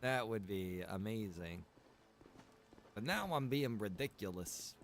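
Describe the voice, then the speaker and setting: A man's voice: lowish voice, expressive, slow pace. A man streaming a game, chatting casually and rambling as he thinks aloud. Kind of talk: casual livestream gameplay chat.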